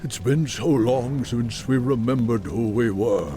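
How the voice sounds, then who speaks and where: An actor playing a solemn, grateful tribal warrior, measured and reverent, in a video game cutscene. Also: male voice, medium pitch, warm tone, natural voice. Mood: humble, loyal. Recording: music behind.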